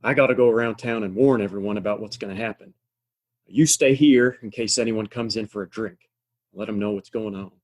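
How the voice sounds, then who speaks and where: Guy doing a gruff old west barkeep, lowish voice, weary but dead set, plain talking. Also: a little fast, natural voice. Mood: firm, warning. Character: weary, resolute male saloon keeper of Western town. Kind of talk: Western audio drama acting.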